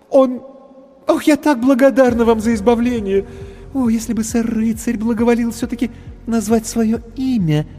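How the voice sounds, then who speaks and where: A man voicing an effusive young woman clown in an audiobook, in a breathless, gushing falsetto. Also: dark tone. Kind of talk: audiobook character voice. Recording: reverberant, with faint music.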